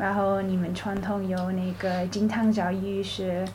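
A woman with an English accent speaks with monotone, flat intonation. Audible room echo and noticeable background noise are present. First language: English (speaking Chinese). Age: 20s. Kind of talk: interview. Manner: halting.

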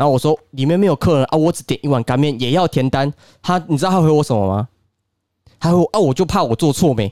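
A man with a Taiwanese accent, fairly high-pitched for a man, with a dark, mellow tone, lively intonation, a very fast pace, very even loudness and a dry, close sound with no echo. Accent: Taiwanese Mandarin. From Tainan, Taiwan. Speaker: podcast host. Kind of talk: casual chat.

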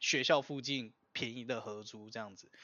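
A man talks very slowly with lively intonation. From Taiwan. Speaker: office worker, podcast co-host. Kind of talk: casual chat.

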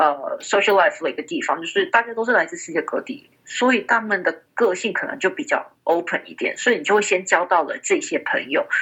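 Her fairly high voice swings very widely in pitch as she talks at a fairly quick pace with hardly any pauses. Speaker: hotel worker. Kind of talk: casual interview chat.

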